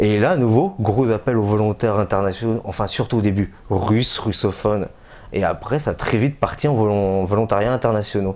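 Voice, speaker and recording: Fairly low male pitch, fairly even intonation and a fairly quick pace from a man. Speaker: war volunteer. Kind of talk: interview. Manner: halting.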